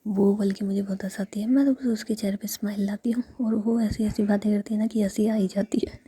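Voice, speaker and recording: Playful injured young woman, breathy whisper; the woman narrator doing her lines. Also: mid-range voice, fairly even intonation, a little fast, dark tone.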